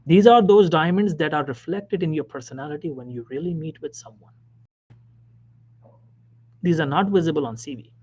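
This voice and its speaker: A man, a physician, giving career advice in a motivational talk, emphatic and repetitive, dropping now and then to a soft whisper. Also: fairly high pitch, normal speed, long pauses, husky. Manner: emphatic, repeats key phrases, drops suddenly to soft whispers. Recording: dull lo-fi recording.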